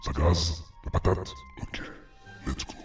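A man streaming with a voice changer that makes his voice very deep and disguised, gravelly and muffled. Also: slow, echoey room, recorded from a distance, faint music behind. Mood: teasing. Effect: very deep voice-changer filter. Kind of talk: playful live-stream banter.

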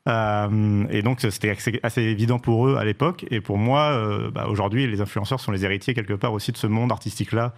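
A man's voice: fairly low pitch, fairly even intonation, brisk, few pauses. A man in his thirties, a journalist, talking through his reasons in a political discussion, with many fillers and restarts. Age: 30s. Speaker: journalist and campaign organizer.

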